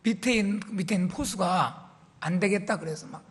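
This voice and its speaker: A male pastor from Seoul, warming up the congregation with jokes and teasing questions before his sermon. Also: high-pitched, fairly quick, slightly rough. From Korea, raised in Seoul. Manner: playful, teasing the audience with questions. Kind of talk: joke-telling warm-up before a church sermon. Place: church hall. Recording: reverberant church hall.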